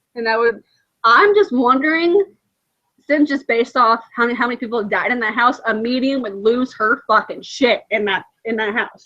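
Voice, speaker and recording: Her tone animated, a woman with a Southern US accent talks at a moderate pace in a high pitch. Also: ordinary pitch variation. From US South. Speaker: online show host. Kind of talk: casual chat.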